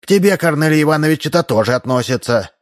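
A man's voice: fairly high pitch, animated, quick pace, pitched above the performer's own voice, close to an everyday voice. A man reading an audiobook, voicing a prim old woman who scolds the neighbours.

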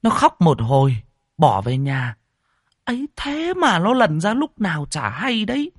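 A man's voice: high-pitched, huge pitch swings, a little slow, husky, no echo, clean studio sound, voice pushed up, exaggerated voice. A man voicing a chatty middle-aged village woman, telling in a raised, gossipy voice. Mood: excited recounting.

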